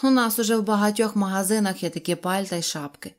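A woman voicing a cheerful, boastful little fairy-tale man who speaks loudly and excitedly, forever apologising for his words. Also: high-pitched, fast talker, natural voice. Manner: loud, excited, ever-apologetic phrasing.

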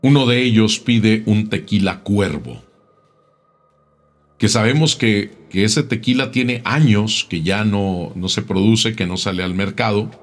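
Low husky storyteller. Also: male voice. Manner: unhurried, conversational, often repeats words as he goes. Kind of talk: casual oral storytelling of a local tale.

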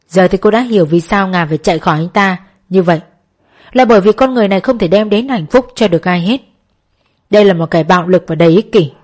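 A woman narrating a novel as an audiobook in a steady storytelling manner. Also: mid-range voice.

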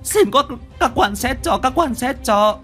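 A man voicing a poor village wife, pleading in a high wailing voice. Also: expressive, unhurried, sharp tone, soft background music, heavily acted. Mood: desperate pleading. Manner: wailing, begging.

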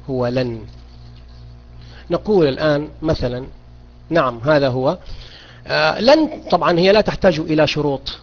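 A man teaching a beginners' grammar lesson online, questioning students and repeating key points. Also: fairly high pitch. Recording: dull lo-fi audio.

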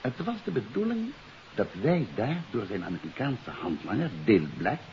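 An actor playing a confident detective who explains a case in an assured, emphatic way, in 1950s radio drama style. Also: male voice, medium pitch, very animated, normal speed. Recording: dull, hissy 1950s radio recording.

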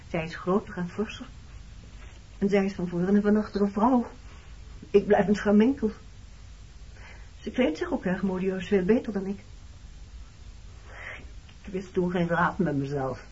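A woman's voice: medium pitch, unhurried, long pauses, warm tone, breathy edge. An actress playing a wounded, reproachful married woman in a Dutch radio play, speaking frankly about her past. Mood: bitter, subdued. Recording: dull, muffled old radio recording.

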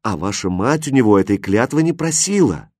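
Brief: male narrator doing an impassioned fairy-tale king, animated pitch, dry studio sound. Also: fairly quick, no echo. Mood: reproachful. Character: passionate young king, ardent and dramatic. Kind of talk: audiobook character voicing.

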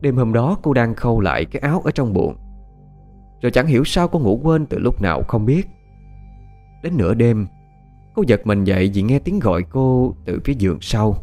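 A man narrating an audio story in a measured, expressive way. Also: medium pitch. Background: faint background music.

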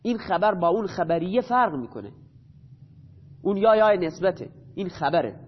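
A man gives a grammar lesson in a fairly high voice. He poses a question, answers it himself and repeats each key term slowly. The recording sounds dull and lo-fi. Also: animated, a little hiss or hum. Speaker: teacher.

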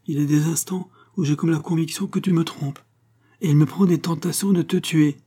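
A man's voice: a little high, expressive, normal speed, mellow, slightly rough, voice pushed up. A man reading aloud voices a passionate, jealous young gypsy woman in a raised voice. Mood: fervent, jealous.

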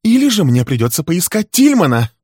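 A man reading an audiobook, voicing a furious scorned woman who shouts her accusations. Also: mid-range voice, a little fast, breathy edge, no echo, studio quality, voice pushed up, lightly acted.

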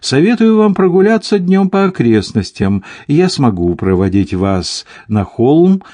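A man reading the lines of a proud young woman who speaks quickly, firmly and commandingly. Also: on the low side, mellow, no room sound.

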